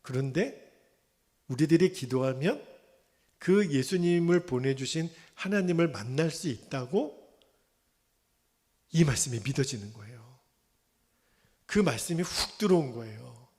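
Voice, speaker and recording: A man's voice: medium pitch, lively intonation, a little slow, long pauses, a little mellow. A man, a pastor, preaching a sermon and telling a story, acting out its voices and dropping into whispers. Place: church sanctuary. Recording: reverberant church hall.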